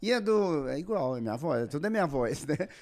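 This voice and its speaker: A man's voice: fairly high pitch, brisk. A Brazilian man, a voice actor, telling stories in a casual podcast chat and laughing often. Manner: animated storyteller, laughs often.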